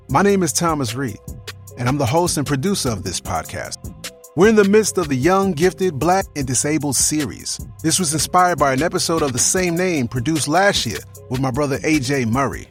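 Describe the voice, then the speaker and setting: A man hosting and producing a podcast, talking casually and playfully with slang and easy laughter, with stretches of scripted narration. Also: on the high side. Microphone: remote video call.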